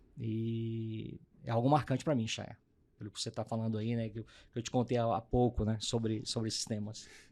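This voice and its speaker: A man's medium-pitched voice with a João Pessoa accent, fairly quick and monotone, flat in intonation, dark and mellow in tone, on a very clean recording with a silent background. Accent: João Pessoa (Northeastern Brazilian). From Brazil, João Pessoa (Northeast). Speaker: pharmaceutical account manager. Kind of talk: podcast interview.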